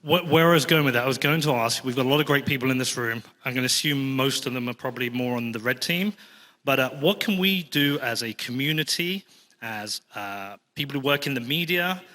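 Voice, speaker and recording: Bright-voiced Englishman in a reverberant hall. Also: mid-range voice, a little fast. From England. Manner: casual, many fillers. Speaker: podcast host, interviewer. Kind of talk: conference stage interview. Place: large conference hall.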